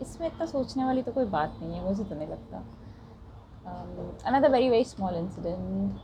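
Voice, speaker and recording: A soft-spoken woman talks fairly slowly, leaving long, frequent pauses. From India. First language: Hindi. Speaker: vlogger. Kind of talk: casual talk to camera.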